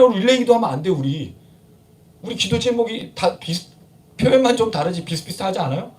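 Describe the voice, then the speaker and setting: A man's voice: sits high, a little mellow, recorded from a distance. A male pastor preaching a sermon in a church, talking in a conversational way with many rhetorical questions and acting out quoted prayers. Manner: acts out quoted prayers and scoldings. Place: church sanctuary.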